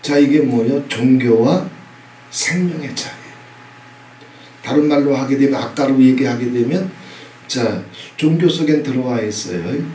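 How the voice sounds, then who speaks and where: A man's voice: mid-range voice, measured pace. Middle-aged male pastor, emphatic sermon with audience prompts, echoey church recorded from a distance. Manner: emphatic preaching with repeated "예?" prompts and sudden loud bursts. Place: church sanctuary. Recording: echoey hall, from a distance, faint noise.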